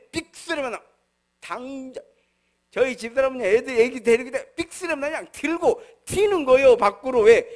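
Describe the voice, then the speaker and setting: High, gravelly middle-aged male pastor. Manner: storytelling, acts out quoted voices; swings from soft murmurs to loud emphatic bursts. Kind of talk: sermon.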